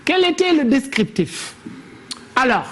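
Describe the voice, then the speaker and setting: A woman's voice: high-pitched, very animated, unhurried. A woman teaching a classroom lesson on verse. She explains step by step and calls on pupils by name. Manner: didactic, questions pupils by name.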